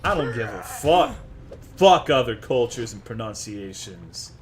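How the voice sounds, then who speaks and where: A man's voice: mid-range voice, sing-song, a little slow, a little hiss or hum. A man from Texas, chatting crudely and jokingly with viewers while streaming a video game. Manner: brash, profane, joking with chat. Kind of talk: casual live gaming stream chatter.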